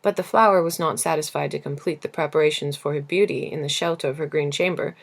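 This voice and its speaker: A woman reading a literary story aloud as an audiobook narrator, in a gentle, measured and expressive manner. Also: low voice, vocal fry. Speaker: audiobook reader.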